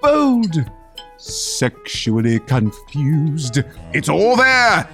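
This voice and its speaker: An actor playing a pompous, flamboyant hat connoisseur in a comedic radio play, savoring each phrase theatrically. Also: male voice, fairly high pitch, very animated, very slow, fairly bright tone, soft background music, exaggerated voice.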